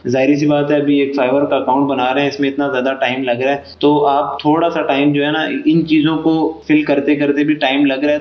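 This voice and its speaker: A man's voice: mid-range voice, echoey room, muffled recording. A Pakistani man with a Pakistani Urdu accent, casually walking viewers through a tutorial as host, often saying "theek hai" and "yaar". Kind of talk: screen-recorded tutorial.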